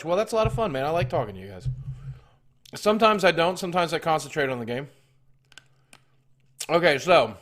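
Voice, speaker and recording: A man casually chatting on a live stream, reading chat and adding up costs aloud with many pauses and fillers while chewing cough drops. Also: a little high.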